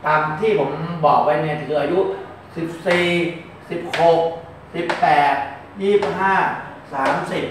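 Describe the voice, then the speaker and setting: A man's voice: fairly high pitch, unhurried, background noise. A man giving a casual fortune-telling talk. He explains at length, often repeats words, and reads out long lists of numbers. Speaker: fortune teller. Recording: very echoey room, mic far off.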